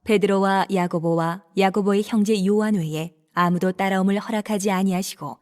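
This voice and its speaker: A woman narrating scripture in a steady, measured reading. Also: mid-range voice.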